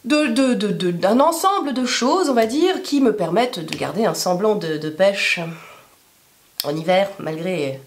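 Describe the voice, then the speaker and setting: A woman with a hoarse smoker's rasp being sick, chatting casually to camera in a rambling, self-deprecating way full of asides. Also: mid-range voice, animated, measured pace. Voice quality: raspy smoker's rasp from illness. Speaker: YouTube vlogger.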